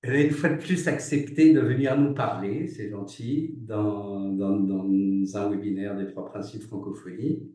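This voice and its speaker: A man's voice: fairly low pitch, steady tone, measured pace, few pauses, dark tone. A man hosting a webinar and informally introducing a guest, with a hesitant, stop-and-start delivery. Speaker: webinar host. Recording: roomy echo, far from microphone.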